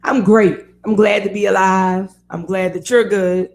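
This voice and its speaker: A woman with a raspy voice hosting a casual sports talk radio show, chatty and opinionated, laughing often. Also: mid-range voice, flat delivery, a little slow, darkish tone.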